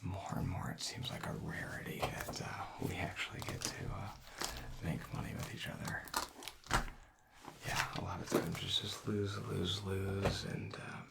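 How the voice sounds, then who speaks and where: Hushed, very creaky low male ASMR voice. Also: level tone. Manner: hushed, unhurried rambling, drifting into whisper. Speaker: ASMR creator playing a casino dealer. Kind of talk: soft-spoken ASMR roleplay.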